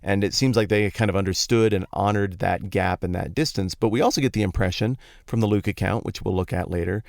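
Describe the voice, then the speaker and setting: A man's voice: fairly low pitch, fairly quick, vocal fry, darkish tone, dry recording, clean studio sound. A man hosting a podcast, giving a casual, conversational Bible teaching talk in informal, explanatory language. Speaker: podcast host.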